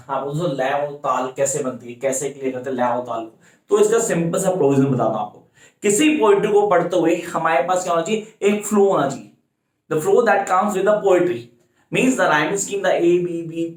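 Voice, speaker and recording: A man teaching an exam-prep lecture. He poses student questions and answers them himself, and he repeats key phrases slowly for emphasis. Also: sits high, reverberant.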